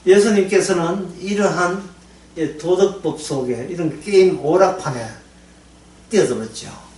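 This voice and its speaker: Man preaching, animated voice, conversational, laughing, echoey room, distant mic. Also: fairly high pitch. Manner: lively, conversational, laughing often, acting out prayers. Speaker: pastor. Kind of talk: sermon lecture.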